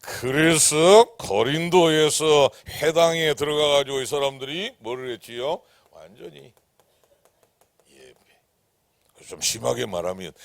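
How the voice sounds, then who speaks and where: A man preaching a sermon as pastor, who swings from loud, emphatic declarations to hushed whispers and keeps asking the congregation questions. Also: on the high side, vocal fry, no echo. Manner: asks the congregation rhetorical questions. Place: church sanctuary.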